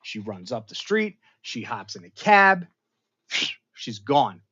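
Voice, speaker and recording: A man hosting an online show, casually recapping a television episode for his live chat in an animated, storytelling manner with sudden dramatic outbursts. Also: mid-range voice, takes it slowly, husky, highs cut off. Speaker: show host reviewing an episode.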